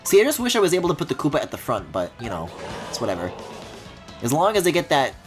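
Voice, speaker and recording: A man's voice: fairly high pitch, wildly swooping pitch, fast talker. A man streaming a video game with casual live commentary, thinking aloud expressively. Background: game music.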